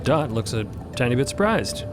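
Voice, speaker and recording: A man's voice: medium pitch, very animated, normal speed. A man giving scripted, literary narration for an audio drama. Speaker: narrator and voice actor. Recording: loud music behind.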